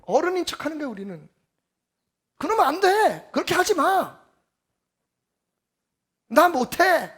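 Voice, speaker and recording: A man giving a Sunday sermon as pastor, emphatic and full of rhetorical questions, swinging between loud and soft. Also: very high voice, very animated, moderate pace, long pauses.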